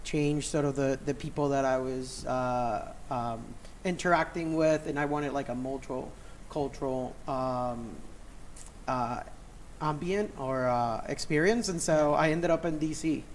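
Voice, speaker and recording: A man's voice: mid-range voice, a little slow, slight background noise. A man in his thirties from Puerto Rico, chatting as an interview guest and searching for his words. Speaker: interview guest, company co-founder. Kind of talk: casual interview chat.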